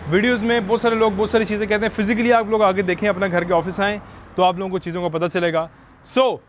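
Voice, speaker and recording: A man's voice: sits high, a little hiss or hum. A man with a Pakistani Urdu accent hosting a walkthrough house tour outdoors. He chats directly to viewers and drops English phrases into his talk. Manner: chatty, code-switching into English, addresses viewers directly.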